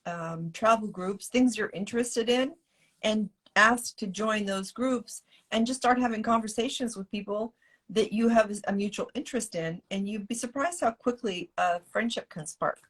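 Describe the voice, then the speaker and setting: Older lady cohost, bit husky, laid back, chimes in with jokes and tips. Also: medium pitch, unhurried, fairly bright tone. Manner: easygoing, chimes in with jokes and advice. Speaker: co-host of a live stream show. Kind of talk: casual chat.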